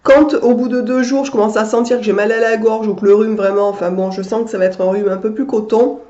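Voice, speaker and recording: A woman's voice: fairly high pitch, fairly even intonation, fast talker, dark tone. Woman vlogger, stuffed-up cold voice, chatty and hesitant, roomy echo. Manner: chatty, many fillers and restarts. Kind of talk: casual chat to camera. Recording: echoey room, dull lo-fi sound.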